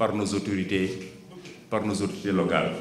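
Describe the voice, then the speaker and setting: There's audible room echo and music in the background. A man speaks through it at a moderate pace. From Senegal, Podor department. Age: 60s. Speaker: agricultural agency director. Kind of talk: ceremony speech. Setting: public ceremony with audience. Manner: formal.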